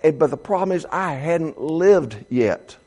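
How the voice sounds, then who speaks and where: A man's voice: a little high, expressive, a little slow, a little mellow. A man of seventy preaching a sermon, reading quotations aloud and often stumbling and restarting his sentences. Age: 70s. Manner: reads quotes aloud, frequent stammered restarts. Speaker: pastor.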